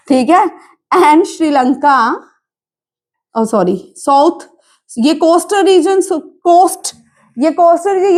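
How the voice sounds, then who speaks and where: High-voiced woman teaching a quiz lesson. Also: darkish tone. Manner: drills students with repeated questions and answers; mixes English terms into Hindi. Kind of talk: exam-prep current affairs lesson.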